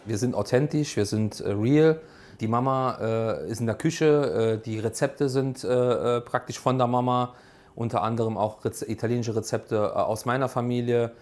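A man in his thirties with a Saarland accent, talking in a halting interview with many fillers. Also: mid-range voice, steady tone, darkish tone. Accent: Saarland German. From Germany (Saarland). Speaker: restaurant co-owner. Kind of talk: interview statement.

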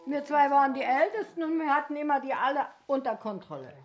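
A woman's voice: high voice, expressive, quick pace, dull audio, faint music behind. A woman, chatting about her childhood as an interviewee. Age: 70s. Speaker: interviewee, twin sister. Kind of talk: casual reminiscing.

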